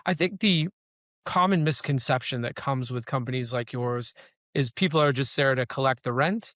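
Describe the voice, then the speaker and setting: A man hosting a local interview show, introducing his guest and asking questions. He talks conversationally and leans on fillers. His voice is at a middle pitch, captured close with a dry sound. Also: normal speed, fairly bright tone, no echo. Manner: conversational, with fillers like "you know". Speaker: podcast host.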